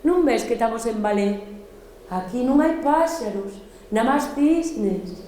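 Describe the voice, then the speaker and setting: A woman's voice: on the high side, animated, a little slow, warm tone, heavy reverb, slight background noise. A woman with an Asturian accent voicing an impatient schoolteacher who brushes off a pupil. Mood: dismissive. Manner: dismissive, scolding.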